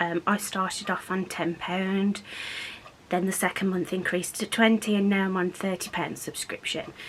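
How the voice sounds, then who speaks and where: Against noticeable background noise, a woman speaks at a moderate pace with monotone, flat intonation. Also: medium pitch for a woman. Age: 30s. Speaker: beauty vlogger. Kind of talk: casual vlog talk.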